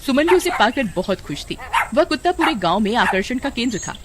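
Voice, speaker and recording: A woman narrating a cartoon storybook in an even storytelling manner. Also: fairly high pitch, a little fast, very noisy.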